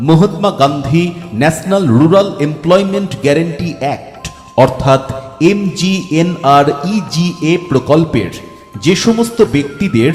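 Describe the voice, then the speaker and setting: A man making a formal public announcement for a village council through a loudspeaker mic, in a measured, reading-out manner. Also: on the high side. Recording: echoey hall reverb with faint music.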